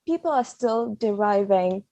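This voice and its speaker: Young female law student guest, outspoken and blunt, mid-range pitch, dry close-miked recording. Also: lively intonation, measured pace, mellow, no room sound. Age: young adult. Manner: blunt and opinionated, swears freely. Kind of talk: casual podcast conversation.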